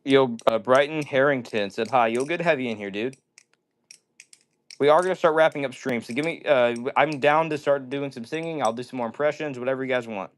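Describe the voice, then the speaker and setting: A man with a medium-pitched voice hosts a live stream at a brisk pace, chatting casually and reading out viewer messages. His talk is slangy and upbeat, with frequent greetings of "dude" and "yo."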